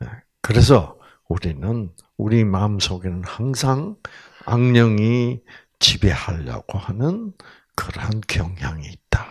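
Very slow speech from a man over a quiet background. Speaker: health seminar lecturer. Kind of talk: lecture. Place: hall. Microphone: handheld.

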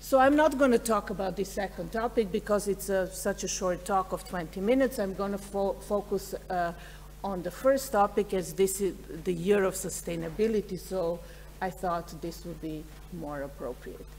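A woman talks at a moderate pace. There is light background noise. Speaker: chemistry researcher; presenter. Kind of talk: lecture. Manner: halting. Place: hall. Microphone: initially without microphone.

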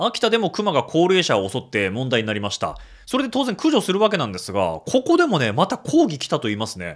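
The pace is very fast. The background is quiet. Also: man. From Hokkaido, Japan (Obihiro); Hokkaido, Japan. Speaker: YouTuber; commentator. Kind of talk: casual vlog monologue. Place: home room. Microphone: studio mic.

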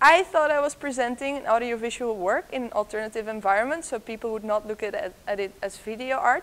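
A woman speaks with a Dutch accent at a fairly quick pace, with hardly any pauses. Her pitch shows ordinary variation. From Netherlands. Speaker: artist giving talk. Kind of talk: lecture. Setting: lecture hall with audience. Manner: informal, joking, laughs often. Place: hall.

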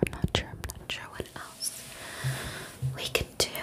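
This is a woman's voice. She is whispering. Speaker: ASMR creator. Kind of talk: soft ASMR roleplay chat. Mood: warm and grateful. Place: home room.

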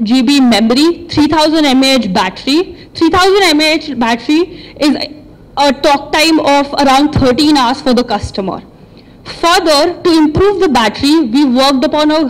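Fairly slow speech with ordinary pitch variation and very even loudness. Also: woman, high pitch for a woman. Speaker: presenter. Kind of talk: product presentation. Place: hall. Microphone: handheld.

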